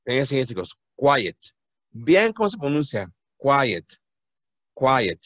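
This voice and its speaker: Male English teacher drilling beginner students, animated delivery, patient repetition, dull dry audio. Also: mid-range voice, dry recording. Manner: patient, repeats words slowly for pronunciation. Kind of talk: classroom teaching, mixing Spanish and English. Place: classroom.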